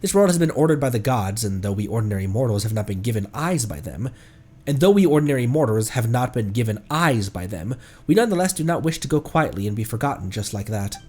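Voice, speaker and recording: A man's voice: mid-range voice, animated, quick pace, darkish tone, slightly rough. A man voicing an earnest, solemn adventurer from a fantasy game, reading the dialogue with feeling. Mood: earnest, resolute.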